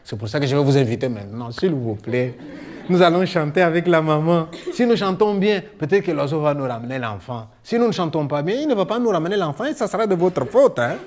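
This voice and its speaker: A man telling a folk tale live and leading the audience in a sing-along, with expressive sweeping delivery. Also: on the high side, brisk, slight background noise. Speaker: storyteller.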